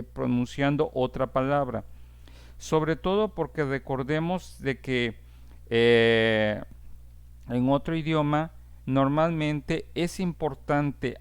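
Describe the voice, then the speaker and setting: Slow, measured male lecturer. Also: on the high side, smooth. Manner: slow, measured explaining with frequent "eh" fillers and "¿sí?" checks. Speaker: teacher. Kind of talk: recorded class lecture.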